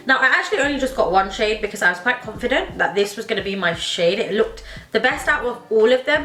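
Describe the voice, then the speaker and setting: A woman's voice: fairly high pitch, pushed and bright, roomy sound. A young woman with a slightly wheezy voice from hay fever, chatting through a makeup tutorial in her home makeup room, enthusiastic and full of "like" fillers. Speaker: beauty vlogger. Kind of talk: casual makeup tutorial chat.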